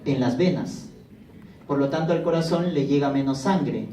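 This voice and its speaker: A man's voice: a little high, moderate pace, mellow, recorded from a distance, a little hiss or hum. A man giving a pharmacology lecture in a classroom, asking the students questions and answering them himself. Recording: echoey classroom, voice from afar.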